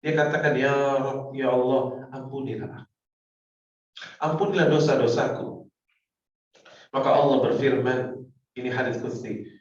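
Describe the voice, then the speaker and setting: A man preaching a sermon, telling stories dramatically and swinging from pleading outbursts to hushed lines. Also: mid-range voice, fairly even intonation, a little slow, pauses often. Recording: echoey hall, from far off, dull sound.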